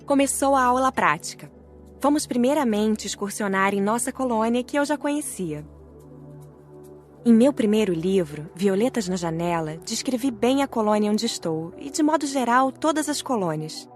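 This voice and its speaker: A woman calmly narrating an audiobook in the first person. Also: on the high side, moderate pace, soft background music. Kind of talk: scripted audiobook reading.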